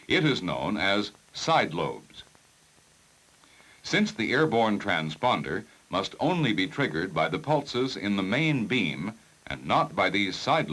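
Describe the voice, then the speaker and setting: Deep-voiced male 1960s training film narrator. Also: a bit bright, rough recording. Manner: formal, measured, precise enunciation. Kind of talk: scripted technical narration.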